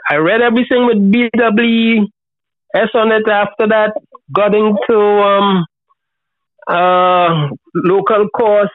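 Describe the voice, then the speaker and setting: An elderly man of seventy speaks with a Trinidadian accent in a noticeably high register. He chats reflectively and colloquially as an interview guest. The sound is thin and phone-like, with a dry, close feel and no room around it. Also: dry recording. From Trinidad and Tobago. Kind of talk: casual conversational interview. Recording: thin, phone-like call audio.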